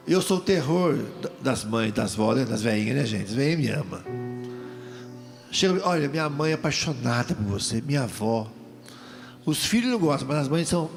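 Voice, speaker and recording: A man's voice: a little high, creaky. A man in his sixties with a Brazilian Portuguese accent, preaching a joking, emphatic testimony from a stage as a deacon. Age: 60s. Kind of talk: humorous testimony sermon. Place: stage at a religious event.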